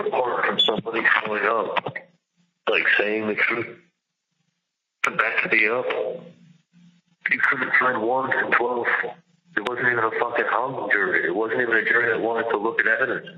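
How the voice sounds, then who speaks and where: The recording is a dull, lo-fi jail phone call in which a jailed man speaks through the telephone in a medium-pitched voice at normal speed, with long pauses. He vents casually and profanely, agitated and emphatic, frequently repeating himself.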